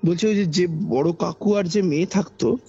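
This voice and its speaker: A podcast guest, a man with a Kolkata Bengali accent, tells of a ghostly encounter from his own life in a husky, gravelly, high-pitched voice, keeping a moderate pace and a warm tone. He's conversational yet dramatic, repeating phrases for emphasis. The lo-fi audio sounds dull, with background music running beneath.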